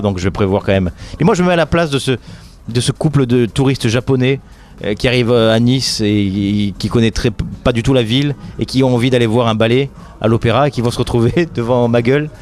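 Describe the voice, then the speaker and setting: A comedian from the French Riviera chatting in an interview, full of fillers and restarts and quick jokes. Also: male voice, medium pitch. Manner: hesitant, many fillers and restarts, jokey. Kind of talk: casual interview chat.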